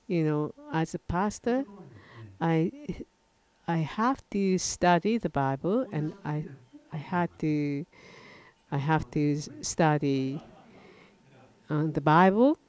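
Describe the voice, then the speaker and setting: An older man from Japan, a native Japanese speaker, preaching a sermon in English with a Japanese accent, halting and often correcting himself. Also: a little high, a little mellow, clean tone. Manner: halting, frequent self-corrections and restarts. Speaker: pastor. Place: church platform at a wooden lectern, indoors.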